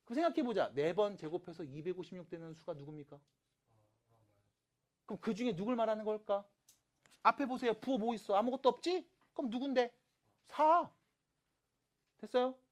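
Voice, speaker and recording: Middle-aged guy teaching math, voice jumps all over, keeps quizzing then answering himself. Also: high-pitched. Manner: lively, asks and answers own questions. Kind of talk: lecture.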